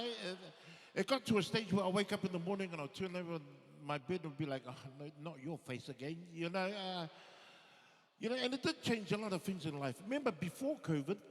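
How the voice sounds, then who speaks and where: A man's voice: sits high, animated, normal speed. A man, doing a laid-back, self-deprecating stand-up set on a theatre stage. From New Zealand, Samoan family. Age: 50s. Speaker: stand-up comedian. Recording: long hall reverb.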